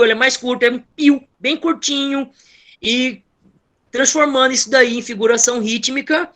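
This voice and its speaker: A man's voice: extremely high pitch, pushed and bright. A male school music teacher sharing a classroom experience with other teachers, with many fillers and restarts.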